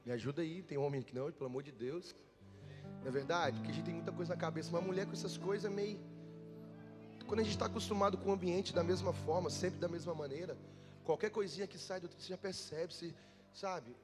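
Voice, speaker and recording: Chatty pastor preaching over music. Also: male voice, a little high, fast. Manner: conversational and humorous, often asking the congregation questions. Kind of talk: sermon. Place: church. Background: instrumental music.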